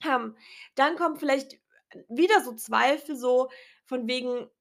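A woman speaking loudly and earnestly to her viewers in a casual, unedited motivational vlog, her voice a little strained. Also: high-pitched, unhurried. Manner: earnest, encouraging, talks loudly. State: clearing her throat, voice a bit strained. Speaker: vlogger. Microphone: self-recorded, unedited.

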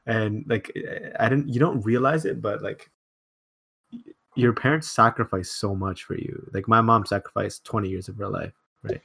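A man's voice: on the low side, moderate pace, gravelly, fairly bright tone, breathy edge. A young man hosting a casual chat, rambling with many fillers.

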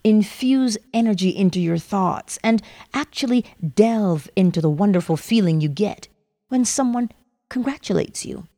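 A woman softly narrating a guided meditation in a soothing manner, with gravelly fry and breathy phrase endings that trail toward a whisper. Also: medium pitch, lively intonation, normal speed. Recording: long reverb on the voice.

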